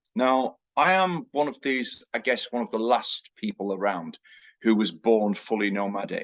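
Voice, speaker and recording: The speaker has a northern English accent and talks at a fairly slow pace. Their intonation is lively. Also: man, medium pitch for a man, dry, close sound with no echo. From County Durham, northeast England. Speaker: storyteller and children's author. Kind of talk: webinar talk.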